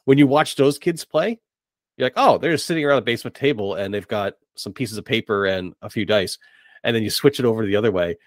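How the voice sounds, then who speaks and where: Talking fast in a fairly low voice, a middle-aged man hosts a casual podcast chat about tabletop gaming, hesitating and repeating words as he thinks things through. The recording is dry and studio quality.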